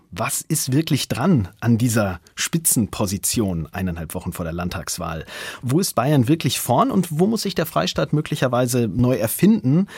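A man's voice: medium pitch, darkish tone, husky, no room sound. A man hosting a radio talk show from a studio, introducing guests in an upbeat way. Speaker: host.

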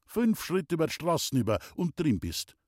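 A man reading an audiobook, voicing a gruff older pipe-smoking man in a Bavarian accent, blunt and grumbling. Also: fairly high pitch, sing-song, moderate pace, a little mellow, dry recording, studio quality, pitched above the performer's own voice.

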